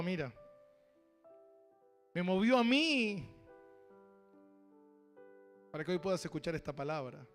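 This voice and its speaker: High-voiced Argentine pastor preaching. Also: male voice. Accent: Argentine Spanish. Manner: preaches with swings from loud to soft, personal stories. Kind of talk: sermon.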